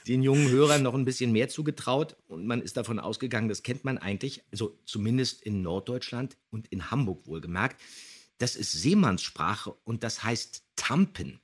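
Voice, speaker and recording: Husky middle-aged man explaining on a podcast. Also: mid-range voice, expressive, moderate pace. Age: middle-aged or older. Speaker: podcast co-host, radio play voice actor. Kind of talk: casual podcast talk, explaining.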